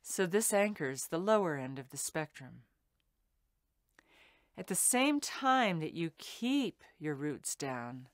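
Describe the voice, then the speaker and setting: A woman meditation teacher leading a guided meditation in a soothing, deliberate way with pauses between phrases. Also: lowish voice, dry recording, studio quality.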